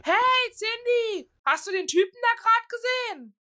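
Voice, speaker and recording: A brash young woman in a horror audio drama. She sounds edgy and shaken, speaking bluntly in a very high voice. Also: lively intonation, measured pace, bright, forceful tone, full character voice. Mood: urgent.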